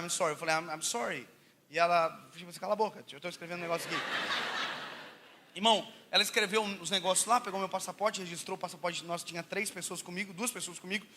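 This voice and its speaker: A young Brazilian man preaching with humor, telling stories in an animated, joking way that rises to shouts. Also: high-pitched, a little hiss or hum. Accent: Brazilian Portuguese. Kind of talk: humorous sermon storytelling.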